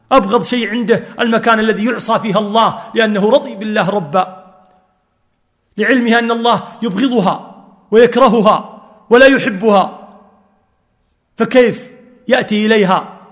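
A man delivers a fervent sermon in a high, carrying voice. His words ring out with a long reverb, as if in a large mosque or lecture hall. He weaves scripture quotations into his preaching. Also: a bit bright. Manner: fervent, quotes scripture and stories.

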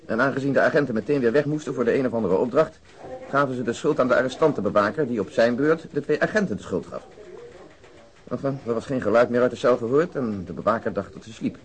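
An actor playing a police detective in a Dutch radio crime drama, explaining a case in a matter-of-fact way with dry asides. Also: male voice, medium pitch, fast, close to an everyday voice. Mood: matter-of-fact, grave. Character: male police detective briefing colleagues on an old case.

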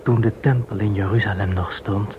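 A man in a radio play acting a devout Jewish man facing deportation, telling things in a solemn, measured way. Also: fairly low pitch, fairly even intonation, natural voice. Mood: solemn explaining. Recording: muffled phone-like band, clear hiss.

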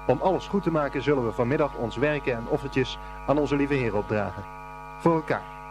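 An actor playing a kindly, pious Catholic brother and headmaster in a radio play, patient and preachy. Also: male voice, mid-range voice, fairly quick, over music, close to an everyday voice. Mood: earnest admonishing.

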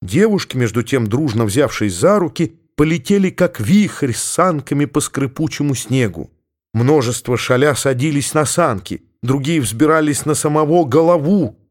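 A man narrating classic prose as an audiobook with an expressive storytelling delivery. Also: a little high, moderate pace.

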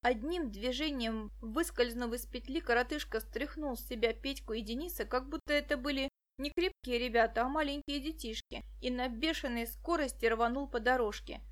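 A woman narrating an audiobook in a lively storytelling manner. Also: high voice, moderate pace, hardly any pauses. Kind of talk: scripted narration.

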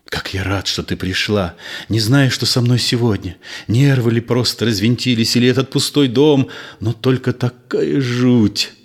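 A man voicing a gentle, nervous middle-aged man in a read-aloud play, low and soft. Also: expressive, measured pace. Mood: soothing.

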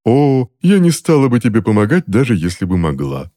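Brief: male reader as a sarcastic, cold aunt, lazy, icy, fairly low. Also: sing-song, a little mellow, no room sound, clean studio sound. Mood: cool, mocking. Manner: cool, mocking, unhurried. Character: cold, sarcastic middle-aged aunt, unsympathetic.

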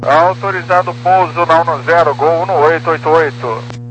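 A man's voice: on the high side, fairly even intonation, normal speed, fairly bright tone, muffled recording. A Brazilian man speaking as a pilot, making position calls and readbacks on air traffic control radio. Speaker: airline pilot. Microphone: radio transmission. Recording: faintly humming aviation radio.

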